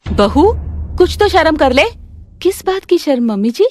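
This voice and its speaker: A woman voicing a stern middle-aged mother-in-law who scolds in a lowered voice. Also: very animated, moderate pace, darkish tone, a little hiss or hum. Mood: scolding. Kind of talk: Hindi family drama voice acting.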